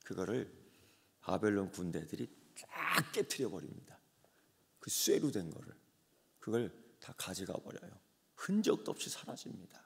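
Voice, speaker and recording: Impassioned preacher in a reverberant church. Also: male voice, low-pitched, very animated, normal speed, vocal fry. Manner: dramatic swings from hushed to shouting. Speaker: pastor. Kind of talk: sermon. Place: church sanctuary. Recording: long church hall reverb.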